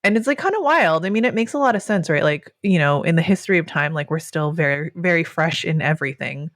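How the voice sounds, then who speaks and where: Low-voiced woman host, dry sound. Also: animated, quick pace, a bit bright, no echo. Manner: thoughtful, uses many fillers. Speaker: podcast host. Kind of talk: casual chat.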